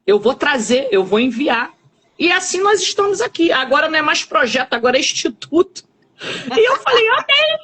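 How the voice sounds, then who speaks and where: A woman's voice: high voice, sharp tone. A woman giving a fervent church testimony with a Brazilian Portuguese accent, repeating key words for emphasis. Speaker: testifying minister.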